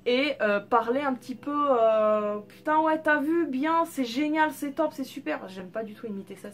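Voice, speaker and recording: A young woman telling a candid personal story in a casual vlog, chatty with lots of fillers and the odd swear word. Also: a little high. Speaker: vlogger.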